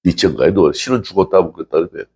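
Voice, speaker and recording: A man's voice: sits low, rapid-fire, a little mellow, husky. A male pastor preaching a sermon in a conversational way, asking the congregation questions and acting out scripture dialogue. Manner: acts out dialogue from scripture stories.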